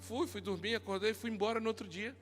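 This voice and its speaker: A man, a pastor, preaching a sermon full of personal stories, moving between shouted passages and quiet talk. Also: sits high, fairly even intonation, fast. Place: church. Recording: long hall reverb with soft music.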